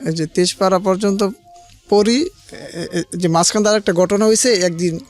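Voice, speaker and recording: A man's voice: high voice, normal speed, soft background music. A man telling his life story as an interview guest, hesitant and plain-spoken, with frequent restarts. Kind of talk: halting personal storytelling.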